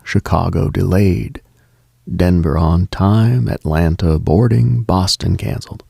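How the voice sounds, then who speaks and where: A man hosting a late-night radio show, speaking a slow reflective monologue in a hushed, half-whispered delivery. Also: deep voice, vocal fry, slightly rough, no room sound, studio quality.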